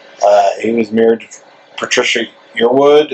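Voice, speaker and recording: A man is speaking. Noticeable background noise runs underneath. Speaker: podcast host. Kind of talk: casual interview chat. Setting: late at night, roadside.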